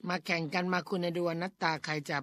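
A woman's voice: fairly low pitch, flat delivery, quick pace, a bit bright, no echo. A woman hosting a casual radio chat, chatty and teasing, talking straight to the listeners. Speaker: radio host.

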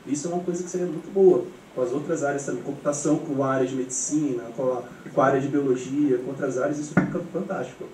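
An eager Brazilian man speaks up quickly from the audience, his mellow voice roomy and distant. A faint hiss sits under the room sound. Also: mid-range voice, steady tone. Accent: Brazilian Portuguese. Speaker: audience member. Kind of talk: spontaneous comment. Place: university seminar room.

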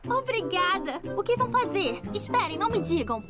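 An eager little cartoon detective girl, speaks in a very high, lively voice. She is self-assured and dramatic, like a bookish amateur sleuth. Loud music plays behind the studio dub. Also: normal speed. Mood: self-assured, theatrical. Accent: Brazilian. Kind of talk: animated children's cartoon dub.

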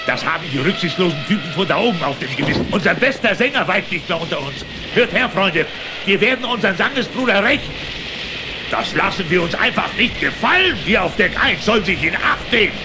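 An actor playing a dramatic cartoon character with drawn-out phrasing in a German children's audio drama. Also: male voice, sits high, lively intonation, over music. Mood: vengeful.

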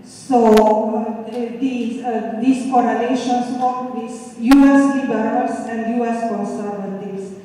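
A woman with a Hungarian accent asking a question from the floor, slow and hesitant, searching for words. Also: on the high side, fairly even intonation, dark tone, recorded from a distance. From Eastern Europe. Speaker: audience member asking a question. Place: large hotel ballroom, standing among the audience. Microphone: handheld microphone. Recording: roomy hall echo from afar, faint noise.

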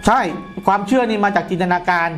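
A man's voice: high-pitched, fast talker, a bit bright, soft background music. A middle-aged man explaining things in a casual, colloquial studio chat, repeating phrases for emphasis. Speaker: guest commentator on a horror show. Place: indoor studio, seated at a desk.

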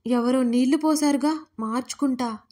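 A woman's voice: on the high side, flat delivery, moderate pace, dark tone, natural voice. Woman voicing a tipsy, babyish young woman. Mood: coy. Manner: babyish pleading tone. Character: tipsy childish young woman, whiny and coy.

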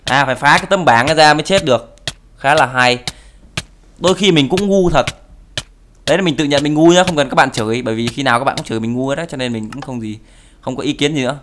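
A man's voice: mid-range voice, fast, fairly bright tone, a little hiss or hum. A young man giving playful Minecraft commentary, breaking into mock-dramatic wailing and pleading. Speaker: gaming YouTuber. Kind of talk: Minecraft let's play commentary.

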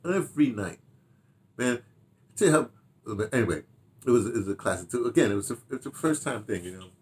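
A man's voice: mid-range voice, brisk. Older American man, rambling storyteller. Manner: animated, rambling storytelling with repeated phrases and asides. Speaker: audio dramatist and theater director telling his memoirs. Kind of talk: casual reminiscing to camera. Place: small home study, indoors.

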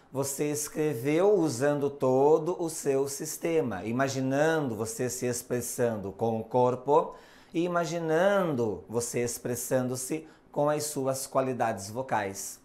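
Brazilian male instructor, unhurried measured lecture, mid-pitched voice, stresses key words. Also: darkish tone. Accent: Brazilian Portuguese. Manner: slow, deliberate explanatory delivery with emphasis. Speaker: hypnosis and NLP teacher. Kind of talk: recorded video lesson.

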